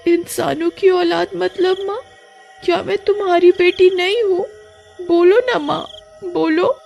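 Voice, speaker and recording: A woman's voice: very high voice, measured pace, gravelly, a little mellow, soft background music, voice pushed up, exaggerated voice. A woman voicing an earnest young girl raised by a witch in a cartoon story, with a pleading, distressed delivery.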